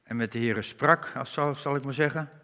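A man preaching a sermon, reading scripture slowly and with emphasis and rising on key words. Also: mid-range voice, pushed and bright. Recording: reverberant hall.

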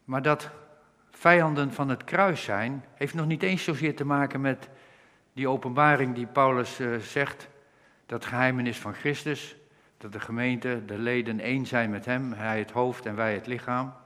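A man's voice: mid-range voice, steady tone, pushed and bright. Earnest male preacher in a reverberant hall. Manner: earnest, explains Bible verses, slows for quotations. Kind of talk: sermon.

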